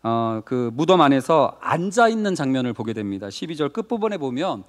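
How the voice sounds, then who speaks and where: A man's voice: mid-range voice, big pitch swings, brisk. A male pastor preaching a Wednesday sermon in a conversational way, asking the congregation questions and acting out short quoted lines. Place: church sanctuary. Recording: long reverb of a church hall.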